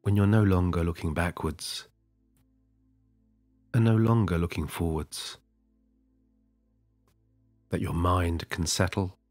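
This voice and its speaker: A man leading a guided sleep hypnosis session, talking softly and slowly with long pauses. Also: low voice, fairly even intonation, dry recording. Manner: soft, slow and soothing, with long pauses. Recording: dry close studio voice over soft music.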